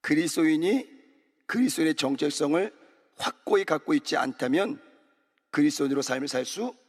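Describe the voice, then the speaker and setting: Korean pastor preaching in a reverberant hall. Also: male voice, a little high, animated, fairly quick. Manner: exhorting, calls for amen and repetition. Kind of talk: early morning sermon. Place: large church sanctuary. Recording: long church hall reverb.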